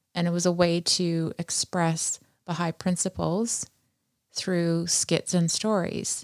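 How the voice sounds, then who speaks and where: A woman's fairly low-pitched voice, an ordinary speaking voice with fairly even intonation and a dry, close sound with no echo. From Canada, raised partly in Australia. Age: 30s. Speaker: lawyer. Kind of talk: casual interview. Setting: video call.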